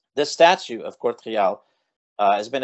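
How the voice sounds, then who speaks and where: The voice carries a Portuguese accent and lively intonation. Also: man. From Portugal. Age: 40s. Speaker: historian professor. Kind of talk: lecture. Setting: video call.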